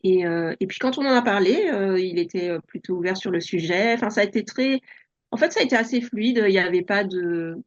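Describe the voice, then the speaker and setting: Soft-spoken woman in her forties. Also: medium pitch, a little fast, muffled recording. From France. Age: 40s. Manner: soft-spoken, hesitant, many fillers. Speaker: podcast guest. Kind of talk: relaxed personal interview.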